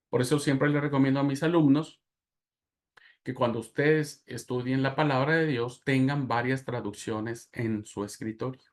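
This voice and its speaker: Man, Mexican accent, Bible class lecture, lively storytelling with asides. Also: medium pitch. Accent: Mexican Spanish. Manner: animated storytelling with laughs and asides.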